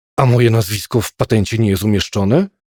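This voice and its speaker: A man with a somewhat breathy voice at a medium pitch speaks on a very clean recording with a silent background. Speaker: audiobook narrator. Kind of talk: dramatic audiobook narration of a detective story. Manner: vivid, theatrical, suspenseful.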